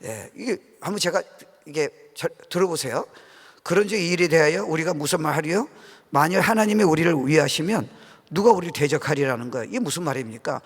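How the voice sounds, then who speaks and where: Here a middle-aged man, his voice a little high and animated, preaches a bit fast to a congregation in a big church sanctuary. As guest pastor, his revival sermon is conversational, informal, and earnest, full of questions to the listeners, with reverberant church hall sound.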